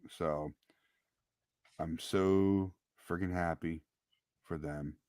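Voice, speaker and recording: A man co-hosting a casual sports podcast, excitable and tripping over his words, his voice a little worn from yelling. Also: low-pitched, drawn-out words, clear, resonant tone, no room sound, studio quality. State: voice nearly lost from yelling. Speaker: podcast co-host.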